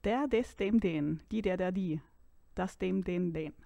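A woman's voice: lowish voice, unhurried, creaky, no room sound. A woman in her forties from Zurich with a Swiss German accent, chatting playfully as a podcast co-host. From Switzerland, Zurich. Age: 40s. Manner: animated, playful, laughs while talking. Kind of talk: casual chat.

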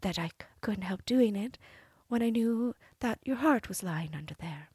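A woman voicing a young princess who coaxes and wheedles in a raised, sweet voice, breathy throughout. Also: mid-range voice, lively intonation, normal speed, darkish tone, no room sound, studio quality, voice pushed up. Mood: coaxing. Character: young princess, coaxing and cunning.

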